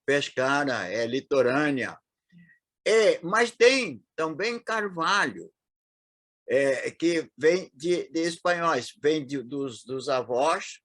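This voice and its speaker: A man in his eighties with a São Paulo accent, reminiscing as an interview guest, talking haltingly with frequent restarts and fillers. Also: fairly high pitch, a bit bright, dry recording, clean studio sound. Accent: Paulistano Brazilian Portuguese. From São Paulo, Brazil. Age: 80s.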